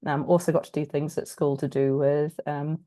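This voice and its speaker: A woman from New Zealand with a husky, croaky voice, still getting over an illness, presenting an online workshop in a chatty, self-deprecating way with plenty of fillers. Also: deep voice, flat delivery, normal speed, dark tone. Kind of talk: casual online workshop talk. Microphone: video call.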